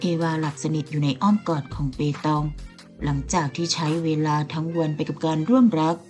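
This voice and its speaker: A woman calmly narrating a romance audiobook over faint background music. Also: low-pitched, a little fast. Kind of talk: scripted narration of a romance novel.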